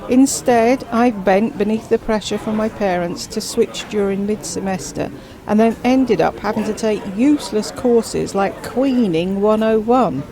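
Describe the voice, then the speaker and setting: A woman's voice: mid-range voice, unhurried, a crowd in the background, close to an everyday voice, rough recording. A woman voicing a chatty, self-absorbed widowed queen who drawls with grand theatrical emphasis. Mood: gossipy.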